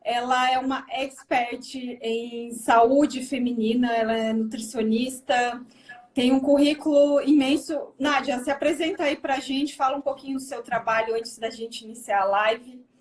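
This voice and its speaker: Woman live-stream host, slow and higher-pitched, faint noise in the background. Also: steady tone. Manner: slow, chatty and welcoming.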